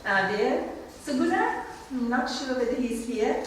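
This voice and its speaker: A woman in her sixties with a fairly high voice gives a halting, informal speech of thanks. It is recorded from a distance in a hall with very heavy echo. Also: expressive. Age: 60s. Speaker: author thanking guests at her book launch. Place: large roomy indoor gathering, mic at a distance. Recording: echoey hall, distant mic, faint noise.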